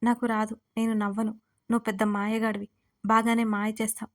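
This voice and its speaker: A woman's voice: fairly high pitch, flat delivery, brisk, close to an everyday voice. A woman voicing a clingy, reproachful young wife in a narrated audio story. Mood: sulky. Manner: sulky and reproachful. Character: sulky, clingy young wife, sharp-tongued.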